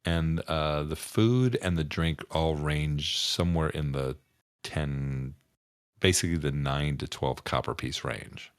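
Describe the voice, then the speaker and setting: A man running a tabletop game as game master, narrating casually in a halting, joking, improvised way. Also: extremely low pitch, smooth, no room sound, studio quality.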